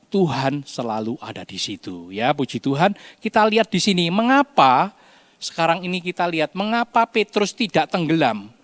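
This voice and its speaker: A man teaching a children's Bible lesson, telling the story with animated storytelling and acting out the cries. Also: on the high side, no room sound. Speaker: Sunday school teacher.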